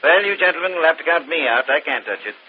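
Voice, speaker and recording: A jovial, fatherly police inspector, played by a man, talks quickly and chuckles often. The sound is thin and tinny, like an old radio broadcast. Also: on the high side, animated, a little hiss or hum, natural voice.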